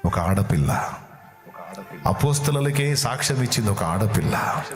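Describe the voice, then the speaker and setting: A male pastor delivers a sermon as dramatic storytelling, his voice at a middling pitch. The sound rings in a roomy space, and faint music plays behind him. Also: expressive, unhurried. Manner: storytelling, dramatic, with acted dialogue. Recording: roomy echo.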